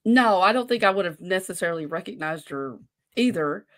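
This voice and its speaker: A woman's voice: lowish voice, animated, brisk, fairly bright tone. A woman in her forties co-hosts a casual talk show. She speaks in a loose, rambling way and often wanders away from her point. The delivery is conversational and unscripted. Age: 40s. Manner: rambling, easily sidetracked. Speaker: podcast co-host running a wrestling quiz. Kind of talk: casual chat.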